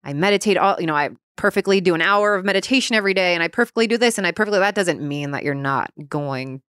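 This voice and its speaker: Low-voiced woman podcast host, smooth. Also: fast talker, fairly bright tone, no room sound, clean studio sound. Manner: reflective, chatty, laughs often. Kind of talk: casual interview conversation.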